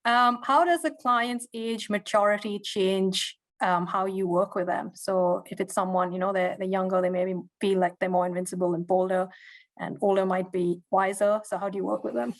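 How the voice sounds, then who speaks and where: A woman's voice: mid-range voice, steady tone, moderate pace. A woman moderating a webinar, reading out audience questions in a friendly way. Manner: friendly, reads questions aloud.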